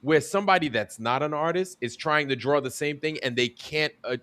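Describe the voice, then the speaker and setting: A man's voice: on the high side, brisk, a bit bright. A man talking emphatically in a casual group chat, repeating himself for emphasis.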